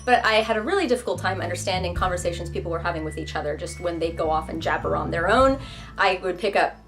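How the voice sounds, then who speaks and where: A young woman vlogger talking casually to the camera, chatty and self-deprecating, breaking into quick voiced asides. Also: lowish voice, fairly bright tone.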